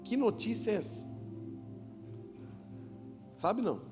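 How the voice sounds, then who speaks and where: A pastor preaching a lively sermon to his congregation, joking with them, asking them questions and calling for applause. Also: high-pitched, takes it slowly. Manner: joking, asks the crowd questions and calls for applause. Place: church hall with a congregation. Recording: long church reverb, music behind.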